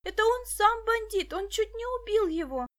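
A woman doing a shrill urgent girl. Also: expressive, normal speed. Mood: outraged. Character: brave shouting young girl.

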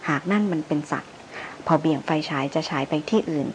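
A woman narrates an adventure novel with steady, dramatic storytelling. Her voice sits low and even, with faint noise behind it. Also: fast, low-quality recording. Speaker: audiobook narrator.

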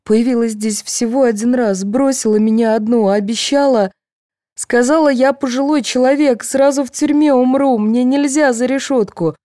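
A woman voicing a frantic, shrill young defendant. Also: steady tone, moderate pace, hardly any pauses, a little mellow, dry recording, clean studio sound, natural voice. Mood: sobbing. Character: desperate young woman defendant, sobbing and pleading. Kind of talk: audiobook character voice.

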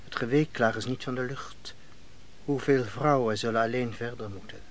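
An actor playing a guarded, dignified tribesman in a radio play, speaking in a measured, careful way. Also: medium pitch, a little hiss or hum, close to an everyday voice. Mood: solemn, guarded. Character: guarded, dignified tribesman and husband, quietly defiant.

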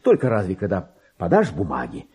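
A self-important, excitable low-ranking clerk in a radio drama monologue. The voice is mellow but very husky and breathy, lurching widely between hushed muttering and high exclamations. He speaks his diary as if confiding great secrets, with theatrical exclamation. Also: brisk, full character voice. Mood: brooding, confiding. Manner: exclamatory, swinging from hushed muttering to shrill rapture.

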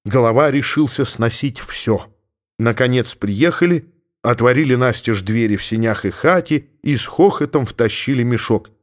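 A man narrating classic prose as an audiobook with an expressive storytelling delivery. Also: mid-range voice, moderate pace.

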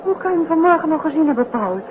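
An actress playing a detective's inquisitive, direct wife in a 1950s Dutch radio play, with a Netherlands accent. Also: female voice, high-pitched, sing-song, very fast. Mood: curious, insistent. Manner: questioning, direct. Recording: tinny, noisy 1950s radio recording.

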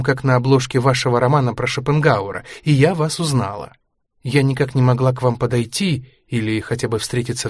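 A man reading a book aloud, voicing an aging former ballerina who is anxious, proud and sharp-tongued, in a higher, tense voice. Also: no echo, studio quality, lightly acted. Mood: dreamy recall. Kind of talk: audiobook character reading.

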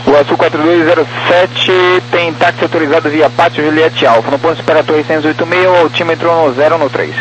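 A man's voice: on the high side, fairly even intonation, muffled recording. A man working as an air traffic controller, giving clipped, procedural instructions over a crackly, military-sounding radio. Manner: rapid, procedural delivery. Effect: crackly military-style radio transmission. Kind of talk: clipped aviation radio phraseology. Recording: crackly aviation radio with hum.

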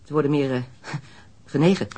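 An actor playing a defensive young male smuggler under police questioning in a radio drama, evasive and quick to protest. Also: on the high side, fairly even intonation, mellow, natural voice. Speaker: suspect under interrogation.

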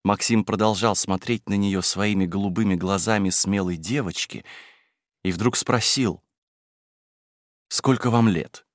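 A man narrating a classic novel aloud in an even, measured storytelling manner. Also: low-pitched, no echo, clean studio sound. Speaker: audiobook reader.

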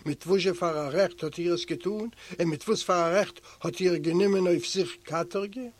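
A man's voice: high-pitched, moderate pace, natural voice. A man reading aloud voices an anguished prisoner who pleads and reproaches in a raised voice. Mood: pleading.

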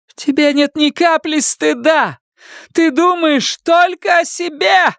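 Man putting on a shrill screeching mother, raging, sarcastic, swooping high voice, dry close sound. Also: expressive, a little slow, pushed and bright, no room sound, heavily acted. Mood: furious. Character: shrieking furious middle-aged mother. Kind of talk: audiobook character reading.

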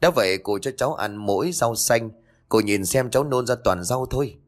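A man's voice: medium pitch, lively intonation, normal speed, natural voice. A man voicing a sly, cowardly young lodger who whines and pleads in a spoken ghost story. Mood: complaining. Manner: whiny, pleading.

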